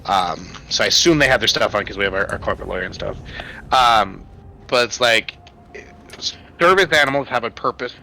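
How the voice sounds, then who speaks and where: A man's voice: lowish voice, lively intonation, brisk, vocal fry, pushed and bright, a little hiss or hum, rough recording. A man who works at a grocery store, explaining things hesitantly with many fillers while gaming. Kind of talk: casual chat while gaming.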